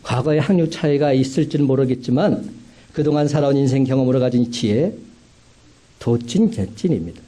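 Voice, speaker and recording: A man preaching a sermon as a pastor, with emphatic rising climaxes and slow, stressed phrases. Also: medium pitch, mellow.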